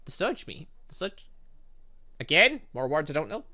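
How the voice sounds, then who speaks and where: A gaming host doing casual, rambling let's play commentary, reading dialogue aloud with excitable, exasperated asides. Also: mid-range voice, normal speed.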